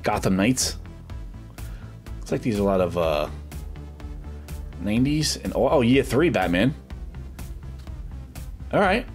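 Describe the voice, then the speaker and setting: A middle-aged man, casually narrating a walking vlog through a small comic shop, rambling with lots of filler words. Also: on the low side. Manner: chatty, rambling, many "uh" fillers, excited when finding books. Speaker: vlogger touring a comic shop. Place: street, then a small comic shop indoors.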